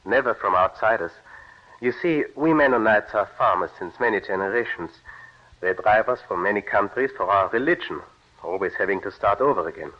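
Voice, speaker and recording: A pious immigrant farmer speaks plainly and formally, voiced by a man. His voice sits a little low. The sound is dull and lo-fi, like an old radio broadcast. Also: lively intonation, fairly quick, natural voice. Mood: earnest. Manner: earnest, plain-spoken, formal. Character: devout Mennonite immigrant farmer, middle-aged man. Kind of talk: 1940s radio acting.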